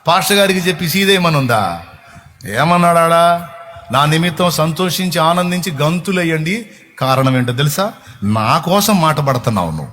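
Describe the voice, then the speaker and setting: A man's voice: a little high, a bit bright. A man preaching a sermon with passion, firing off rhetorical questions at his listeners. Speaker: pastor.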